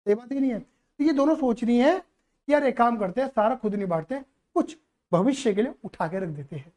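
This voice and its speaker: A man's voice: very high-pitched, expressive, fairly quick, darkish tone. A man teaching accountancy to a live class, playful and teasing as he keeps quizzing the students.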